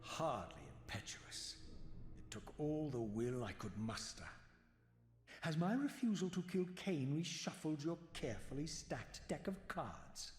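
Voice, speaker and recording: An actor playing a proud, scornful undead spirit of vengeance in a video game, speaking with sardonic, theatrical precision. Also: male voice, fairly high pitch, big pitch swings, measured pace, slight background noise. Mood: defiant. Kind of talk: dramatic video game voice acting. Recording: echoey long reverb, game music behind.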